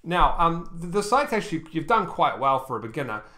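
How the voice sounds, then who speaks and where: A man reviewing an online store over a screen share, casual and halting, with many ums and restarts, often checking in with "okay?". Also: on the high side, sing-song, bright, forceful tone.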